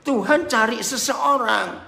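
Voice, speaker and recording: Dramatic high-voiced male pastor preaching. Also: slow pace, gravelly, roomy sound. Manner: dramatic, swings from shouts to quiet asides; asks the congregation rhetorical questions. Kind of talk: sermon. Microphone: video call.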